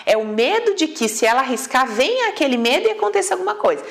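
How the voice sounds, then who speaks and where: A woman with a Brazilian accent teaches her own method to viewers in a casual online lesson. Her voice sits fairly high, with some gravelly fry. She talks in an animated, blunt way and acts out the inner voices she describes. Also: fast talker. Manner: animated, informal and blunt, with occasional swearing. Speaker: emotional coach teaching a method.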